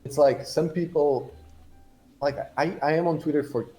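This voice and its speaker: A man from Portugal chatting casually as a livestream guest, halting and rambling but blunt in how he talks. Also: fairly high pitch, steady tone, warm tone, soft background music.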